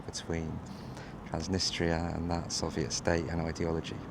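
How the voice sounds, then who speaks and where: Amid noticeable background noise and audible room echo, a man with a very deep, low pitch talks at a moderate pace. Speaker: travel vlogger. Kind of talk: travel vlog narration.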